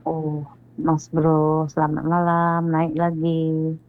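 A woman's voice: low voice, completely flat delivery, takes it slowly. A woman calling in to a radio show over a phone line that sometimes breaks up and sounds robotic, chatting and passing on greetings. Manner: chatty, reels off greetings to listeners. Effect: phone line, breaking up robotic at times. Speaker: radio caller. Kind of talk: casual call-in chat.

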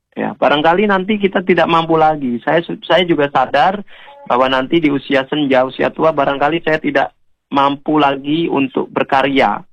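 A man, an Islamic preacher on a radio show, gently exhorting listeners and addressing them directly. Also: a little high, gravelly, dry recording, muffled recording. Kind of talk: radio sermon answering callers.

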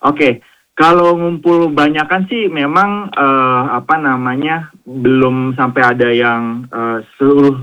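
A man from Jakarta answering questions as a radio guest, hesitant and friendly, full of pauses. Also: mid-range voice, fairly even intonation, clean tone, lo-fi sound. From Jakarta, Indonesia. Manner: hesitant, many fillers and restarts, friendly. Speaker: guest, founder of a swimming community.

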